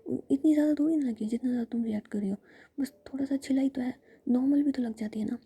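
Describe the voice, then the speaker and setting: A cheerful young woman coaxes and teases in a breathy whisper, as a woman storyteller voices her. The sound is dark and gravelly, with little clear tone. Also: high-pitched, fast talker, pitched above the performer's own voice, exaggerated voice. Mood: coaxing. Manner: whispered, coaxing. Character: cheerful, stubborn young woman, lightly hurt.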